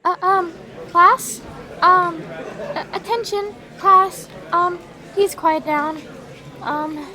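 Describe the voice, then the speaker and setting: A woman playing a timid, kindly magic-school creature teacher with a polite, hesitant manner in an animated roleplay story. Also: extremely high pitch, extremely slow, some chatter behind, exaggerated voice. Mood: nervous.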